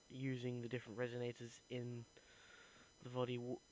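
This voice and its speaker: The man has a medium-pitched voice with a British accent. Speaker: acting student. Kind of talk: reflective video diary. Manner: halting, many false starts.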